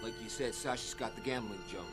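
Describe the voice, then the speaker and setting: Shady informant, low and flat, played by an actor. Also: male voice, brisk, loud music behind the voice, close to an everyday voice. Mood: matter-of-fact.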